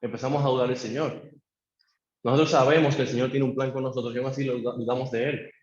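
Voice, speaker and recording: A man's voice: steady tone, quick pace. A man preaching a sermon in church, acting out pleading prayers and leading the congregation in call-and-response. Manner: acts out a believer's pleading prayers to God. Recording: echoey church room, dull low-fi sound.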